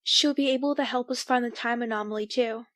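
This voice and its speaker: An actress plays an earnest young woman in an audio drama. She has a high voice and a matter-of-fact delivery. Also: fairly even intonation, fairly quick, a bit bright, close to an everyday voice.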